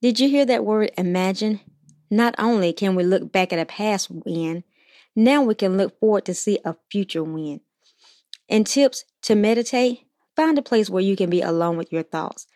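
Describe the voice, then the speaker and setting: A woman hosting a Christian motivational podcast, reading scripture and encouraging listeners in an earnest, steady way. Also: mid-range voice, normal speed, dry recording, studio quality. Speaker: podcast host.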